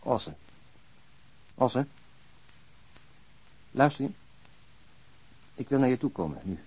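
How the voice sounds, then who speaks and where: Husky, earnest male detective. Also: medium pitch, animated, slow, darkish tone. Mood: earnest, insistent. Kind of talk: audio drama acting.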